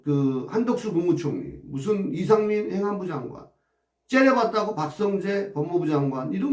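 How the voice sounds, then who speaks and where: A man's voice: high-pitched, reverberant, distant mic. A man delivering an impassioned, agitated political commentary monologue, firing off rhetorical questions and blunt insults. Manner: agitated, rhetorical, crude insults, repeated "어?" asides.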